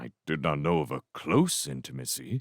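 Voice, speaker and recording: Putting on a character voice, a man speaks at a moderate pace in a very deep, low pitch, with a dry, close sound and no echo. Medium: read story. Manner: earnest, emotional.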